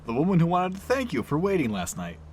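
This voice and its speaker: A man's voice: a little high, wildly swooping pitch, fast talker. An actor playing a boisterous, teasing train crewman in an audio drama, with a theatrical, chummy manner. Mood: cheerful. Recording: station ambience noise behind voice.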